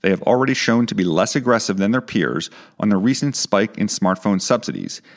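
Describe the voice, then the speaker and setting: Male financial analyst, deep voice, formal and measured read of a prepared report. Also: lively intonation, gravelly. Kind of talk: scripted narration of an analyst report.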